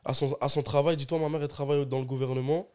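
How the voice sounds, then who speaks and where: A man's voice: mid-range voice, fairly even intonation, racing, a little mellow, clear, resonant tone. A young man, a rapper guest telling stories in casual, slangy podcast chat. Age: young adult. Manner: laid-back, slangy storytelling.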